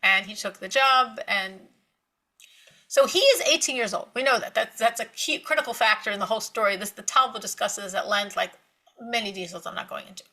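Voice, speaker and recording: A woman giving a spiritual Torah lecture, telling stories with lively emphasis, repeating words and laughing lightly between points. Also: mid-range voice, brisk. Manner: animated storytelling with emphatic repetition. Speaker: Torah teacher.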